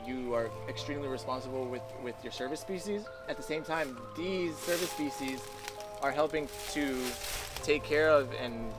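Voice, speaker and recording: A man who farms a food forest, talking in a loose, chatty way outdoors on a farm, with many restarts. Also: on the high side. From United States. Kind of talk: casual outdoor interview. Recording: background music under the voice.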